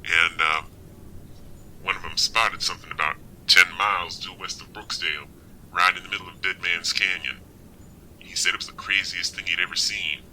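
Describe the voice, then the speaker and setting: Man playing deep, very bright-voiced forest officer. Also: fairly even intonation, normal speed, a little hiss or hum, rough recording. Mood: concerned, businesslike. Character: folksy, matter-of-fact forest service officer. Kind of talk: amateur audio drama acting.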